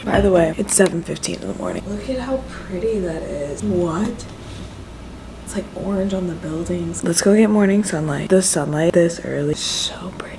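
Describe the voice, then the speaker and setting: A woman's voice: lowish voice, normal speed, noisy background. Chatty young woman losing her voice. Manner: chatty, upbeat, rambling. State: losing her voice from a head cold. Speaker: vlogger. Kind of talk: casual vlog chat to camera.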